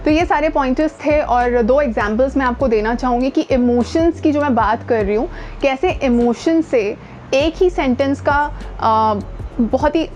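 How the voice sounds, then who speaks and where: A woman's voice: sits high, measured pace, a little mellow, dull audio, soft background music. A woman with an Indian accent giving a conversational lesson as a voice coach, mixing in English and leaning on key words. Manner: code-switches into English, stresses key words. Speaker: voice training coach and presenter. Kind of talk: instructional talk to camera, conversational.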